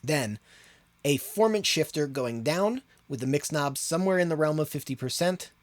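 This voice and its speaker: A man's voice: on the high side, expressive, normal speed, no room sound. A man hosting an audio tutorial, explaining in an informal, rambling way as he thinks aloud. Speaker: audio production tutorial host.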